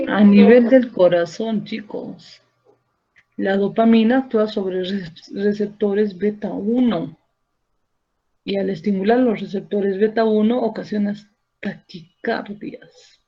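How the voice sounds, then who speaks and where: Female lecturer, gravelly edge, keeps checking in with the class, muffled lo-fi sound. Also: medium pitch, fairly even intonation, takes it slowly, long pauses. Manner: explains step by step, checks in with rhetorical tag questions and quizzes students. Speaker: medical lecturer. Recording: dull lo-fi recording.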